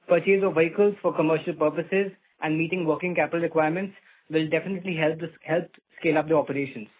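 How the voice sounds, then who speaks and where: A man with an Indian accent, reading out financial results as an executive on an earnings call. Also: a little high. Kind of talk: scripted financial results presentation. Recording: narrow phone-line sound.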